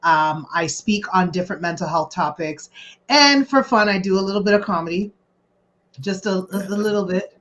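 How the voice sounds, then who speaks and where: A woman's voice: medium pitch, normal speed, a bit bright. A middle-aged woman from Canada speaking informally as a guest expert, chatty and explanatory. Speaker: guest mental health expert, social worker. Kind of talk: informal talk to an audience. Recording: dull lo-fi sound.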